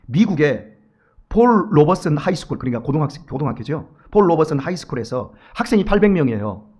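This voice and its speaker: Animated high-pitched preaching man. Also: a little fast, breathy edge. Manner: animated preaching, acting out quoted voices, swinging from loud to hushed. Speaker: pastor. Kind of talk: sermon. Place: church sanctuary.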